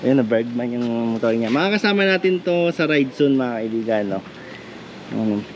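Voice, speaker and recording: A man's voice: medium pitch, animated, moderate pace. Filipino guy vlogging, jokey casual chat, muffled audio with lots of background noise. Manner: jokey, informal, addresses listener as brother. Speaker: vlog host giving away and demonstrating a product. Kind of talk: casual chat and hands-on demonstration. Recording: noisy lo-fi recording with vehicle ambience.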